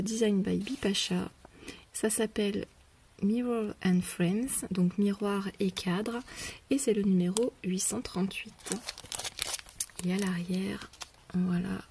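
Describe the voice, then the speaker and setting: A woman presenting her craft shopping haul in a casual, hesitant way, with many pauses and fillers. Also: mid-range voice, warm tone, slight background noise. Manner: drops to a whisper when showing items. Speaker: scrapbooking vlogger.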